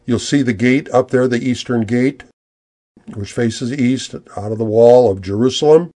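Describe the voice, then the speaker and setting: A man's voice: mid-range voice, moderate pace. Guy preaching in church, earnest bible teaching, gets worked up retelling the story. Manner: earnest, builds excitement retelling the crowd. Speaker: pastor. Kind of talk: expository sermon.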